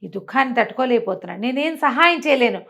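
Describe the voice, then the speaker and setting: Woman acting out proud violent bandit turned penitent, male figure, raised pitch, emphatic, exclaiming, oral storybook tale. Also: expressive, fast, vocal fry, fairly bright tone. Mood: anguished, remorseful. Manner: emphatic, exclaiming, self-questioning.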